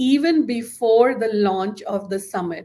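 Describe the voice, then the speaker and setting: A woman with a fairly high pitch and a strong Indian accent speaks in a very clean recording with a silent background. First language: non-native English speaker. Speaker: online business coach. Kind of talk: sales pitch.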